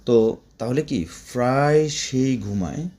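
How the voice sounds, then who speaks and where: A man's voice: medium pitch, slow pace, mellow. A man teaching spoken Arabic to Bengali speakers, repeating words in drills and breaking off into chatty asides.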